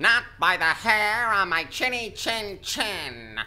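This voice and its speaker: Using a put-on character voice, a man speaks at a high pitch and a very slow pace, with light background noise behind him. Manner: gruff, cocky.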